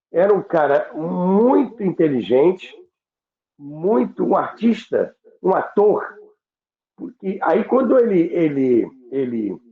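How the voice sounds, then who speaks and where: A Brazilian man with a fairly high voice hosts a radio history show, reminiscing as he halts and repeats words while searching for them. The recording sounds roomy and dull.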